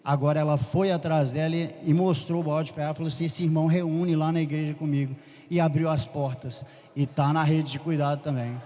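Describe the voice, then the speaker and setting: A man tells a fervent church testimony, acting out the voices in his story. His voice sits a little high, and a long hall reverb trails after each phrase. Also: brisk. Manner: storytelling, lively quoted dialogue, fervent. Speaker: church member giving testimony.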